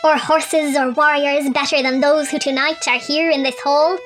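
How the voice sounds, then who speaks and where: A woman's voice: high-pitched, fairly even intonation, normal speed, a bit bright, voice pushed up. A woman voicing a proud, boastful tiny male fairy king who speaks in grand proclamations, with violin music behind.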